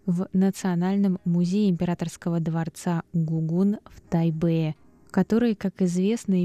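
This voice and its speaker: A woman's voice: lowish voice, dark tone, dry recording. A woman speaking as a public radio host, presenting a scripted cultural programme and addressing listeners directly as she explains and narrates. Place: radio studio.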